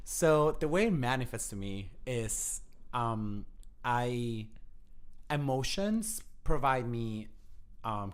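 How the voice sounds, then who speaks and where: Young Ecuadorian man, Spanish accent, animated and searching for words, mid-pitched voice. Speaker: guest, dancer and actor. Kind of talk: casual interview.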